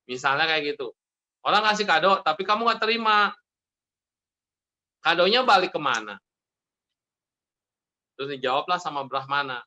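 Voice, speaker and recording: A man, a Buddhist monk, delivers a relaxed sermon in a bright, forceful voice that sits a little high. He keeps the mood light, laughing and playing the people in his stories. The sound is slightly muffled, like an online stream. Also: normal speed, long pauses. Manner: jokey, laughs often, acts out characters in his stories. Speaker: Buddhist monk giving a dharma talk.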